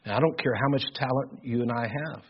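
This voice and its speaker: Older preacher with a husky voice. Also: male voice, medium pitch, a little fast. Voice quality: loud voice. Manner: earnest, emphatic, repeats words while building points. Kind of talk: sermon. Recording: dull lo-fi recording.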